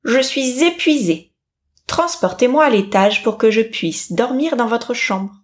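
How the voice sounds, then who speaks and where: A woman's voice: fairly high pitch, expressive, a little slow. A woman voicing a slimy, persistent male toad in a storybook reading, with an insistent, coaxing way of talking. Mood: demanding.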